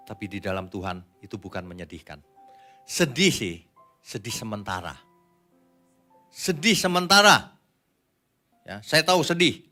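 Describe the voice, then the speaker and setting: A male pastor with a bright, forceful voice delivers a casual, conversational sermon. He drops into soft asides, then rises sharply for emphatic points. Faint music plays behind him. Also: fairly low pitch.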